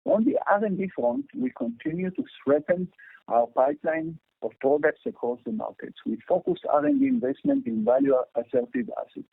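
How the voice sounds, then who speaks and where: A man's voice: high voice, very animated, moderate pace, gravelly, no echo. A man with an Indian accent reading a formal earnings presentation as a company executive over a phone line, stumbling over some words. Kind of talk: scripted earnings call presentation. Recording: thin, phone-like conference line.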